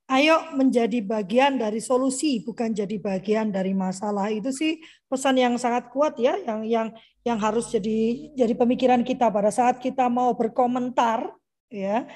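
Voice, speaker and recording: A woman's voice: on the high side, darkish tone. A woman hosting a talk-show discussion, asking probing questions and closing with short summaries. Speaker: host.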